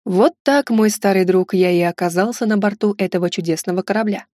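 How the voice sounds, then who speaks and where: Woman narrator voicing older Chinese courtier, courteous, measured, dry recording. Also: medium pitch, dark tone, no room sound, close to an everyday voice.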